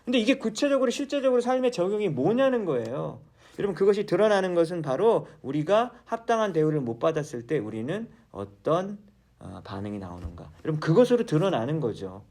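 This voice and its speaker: A man's voice: on the high side, sing-song, a little fast, darkish tone. A male pastor preaching a sermon in a church, asking the congregation questions and then answering them himself.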